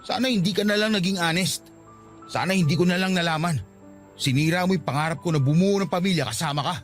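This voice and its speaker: Isang lalaking gumaganap sa dramang pag-ibig sa radyo bilang nasaktan at mapait na batang nobyong iniiwan, puno ng panunumbat. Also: male voice, high-pitched, fast talker, soft background music, close to an everyday voice. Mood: bitter. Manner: wounded, reproachful. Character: hurt, bitter young boyfriend being dumped. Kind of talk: radio romance drama acting.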